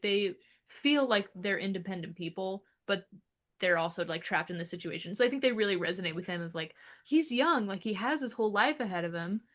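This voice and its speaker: A woman's voice: medium pitch, fairly bright tone. Chatty woman podcast co-host. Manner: chatty, laughs often, acts out quotes. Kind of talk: casual chat about a film.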